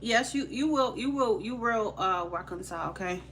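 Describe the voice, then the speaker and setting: A woman's voice: on the high side, expressive, moderate pace, fairly bright tone, a little hiss or hum. A young woman with a Haitian accent, giving live tarot readings in a casual, slangy, chatty way and laughing easily. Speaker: tarot reader.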